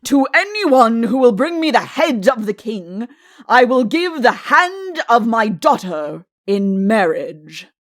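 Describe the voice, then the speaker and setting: A woman's voice: on the high side, very animated, slow, no room sound, clean studio sound. A woman voicing a vain, vengeful king in a comic audiobook, curt and haughty with heavy, cold emphasis. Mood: cold outrage. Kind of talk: audiobook comic character acting.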